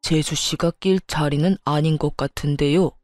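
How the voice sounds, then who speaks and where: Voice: mid-range voice, fairly even intonation, moderate pace, a little mellow, no room sound, clean studio sound, faint music behind, close to an everyday voice. A performer voicing the arrogant, favored eldest son scolding his younger brother. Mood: cold. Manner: blustering, reproachful.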